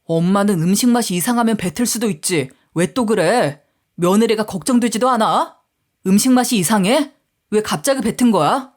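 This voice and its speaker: A woman's voice: medium pitch, moderate pace, darkish tone, lightly acted. A woman voicing a mild young husband in a story reading, talking in a soothing, pleading way. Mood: placating.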